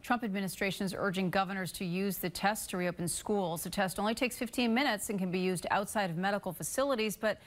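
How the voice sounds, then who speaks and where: A woman's voice: medium pitch, fast, few pauses. A woman anchoring a morning newscast, reading scripted headlines and stories. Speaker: news anchor.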